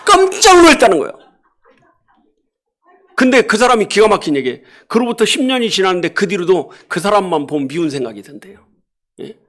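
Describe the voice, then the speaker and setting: A middle-aged male pastor preaching a sermon in a church, animated and questioning the congregation, acting out animal sounds and scoldings. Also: high voice, a little fast, pauses often. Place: church sanctuary.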